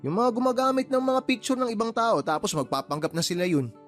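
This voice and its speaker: A man acting a playful, teasing younger friend in a radio drama, boastful and quick to joke. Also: very high-pitched, big pitch swings, fairly bright tone, faint music behind, full character voice. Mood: joking. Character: joking loyal younger male buddy, playful.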